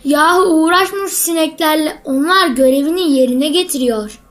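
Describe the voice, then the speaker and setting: Woman voicing a cheeky, very high-pitched cartoon schoolboy. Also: moderate pace, lightly acted. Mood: witty, confident. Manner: cheeky, explanatory, confident. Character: witty, cheeky schoolboy, pious know-it-all with a ready answer. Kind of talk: scripted comic cartoon dialogue.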